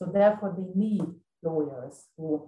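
A woman with a Hungarian accent speaks at a moderate pace in a fairly low, dark, mellow voice that is somewhat breathy, her intonation fairly even. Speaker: lawyer. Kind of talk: webinar presentation. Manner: halting.

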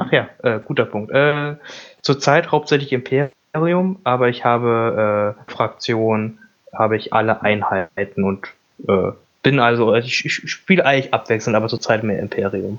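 A man with an unremarkable speaking voice talks at a medium pitch and moderate pace with ordinary pitch variation. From northern Germany, Jever (Friesland). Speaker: podcast co-host, tabletop gamer. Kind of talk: casual chat.

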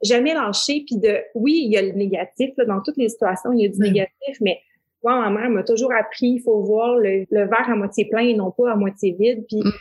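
This woman has an ordinary speaking voice, pitched fairly high with ordinary pitch variation. She talks at a moderate pace. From Quebec, Estrie. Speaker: communications agency founder. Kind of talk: interview.

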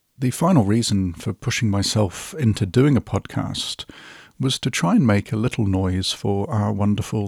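Speaking in an English accent at a moderate pace, a man with a fairly low pitch sounds somewhat breathy and shows ordinary pitch variation. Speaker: podcast host and doctor in urgent care. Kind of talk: scripted reflective monologue.

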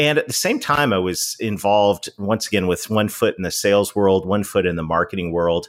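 With hardly any pauses, a man with a normal speaking voice talks at a fairly quick pace in a fairly low pitch, with ordinary pitch variation. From Canada. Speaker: author and agency founder. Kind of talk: casual interview conversation.

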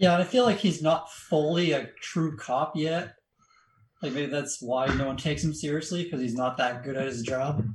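Somewhat breathy man with a Canadian accent, fairly high pitch and moderate pace. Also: ordinary pitch variation. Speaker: podcast co-host, guest. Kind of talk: casual chat about a movie.

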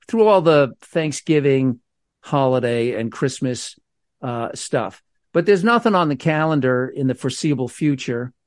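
A man with an American accent and a fairly high voice speaks at a moderate pace with lively intonation over a quiet background. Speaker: retired radio host and novelist. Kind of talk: interview.

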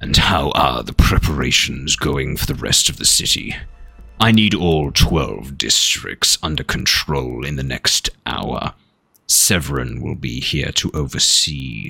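Loud and gravelly, a man puts on a character voice with a very deep, low pitch at a fairly slow pace. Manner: loud, commanding.

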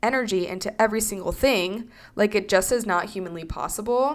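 A woman speaks in a plain, everyday voice at a moderate pace. Her pitch varies in an ordinary way, and the recording is very clean with a silent background. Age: 20s. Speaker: podcast host. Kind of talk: casual solo monologue.

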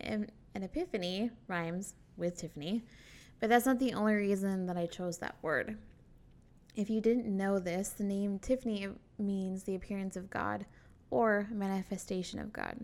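Fairly even intonation and a moderate pace come from an ordinary speaking voice. The background is silent on a very clean recording. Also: woman, medium pitch for a woman. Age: 30s. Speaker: podcast host. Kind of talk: solo podcast monologue.

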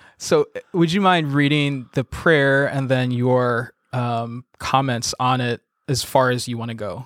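A man with an American accent speaks at a fairly slow pace with hardly any pauses, in a normal speaking voice at medium pitch and with fairly even intonation. The recording is very clean with a silent background and a dry, close sound with no echo. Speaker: podcast host and university teacher. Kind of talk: live podcast interview; scripted narration. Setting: in person before a live audience.

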